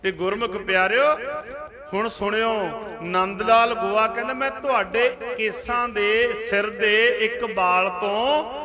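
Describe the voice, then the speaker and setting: A man's voice: high voice, steady tone, slow, a crowd in the background. A man preaching a religious sermon to a congregation, telling stories with rhythmic, repeated refrains. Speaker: Sikh preacher. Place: outdoor religious gathering.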